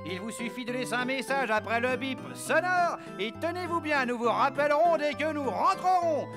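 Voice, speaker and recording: An actor playing an excited fairground barker, calling out huckster patter in a comic pitch. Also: male voice, moderate pace, over music. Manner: sing-song huckster patter, repetitive calls.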